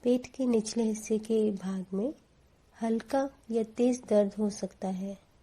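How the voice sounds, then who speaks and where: A woman giving guided meditation instructions in a calm, soothing, deliberate manner. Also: a little high.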